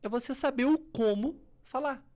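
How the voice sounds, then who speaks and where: At a moderate pace and in a high voice, a Brazilian public-speaking coach explains her craft in a podcast interview. She demonstrates tone of voice by moving between forceful, loud emphasis and gentle near-whispers, staying highly expressive throughout.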